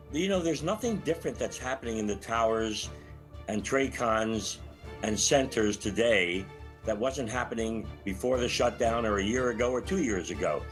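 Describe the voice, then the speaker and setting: An older man giving expert commentary as a guest in a live news interview. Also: mid-range voice. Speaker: retired air traffic controller, interview guest.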